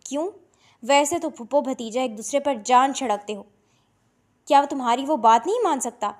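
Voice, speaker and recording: A stern middle-aged father, acted by a woman reader in a storybook drama. He pleads helplessly one moment and growls with biting sarcasm the next, in a high voice. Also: lightly acted. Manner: pleading then harsh, sarcastic.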